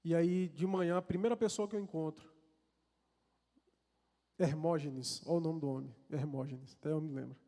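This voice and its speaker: High-voiced Brazilian preacher in a reverberant hall. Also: male voice, fast, creaky, warm tone. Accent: Brazilian Portuguese. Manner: earnest, confessional, repeats and restarts words. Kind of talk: sermon with personal storytelling. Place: large church hall. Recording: long reverb of a church hall.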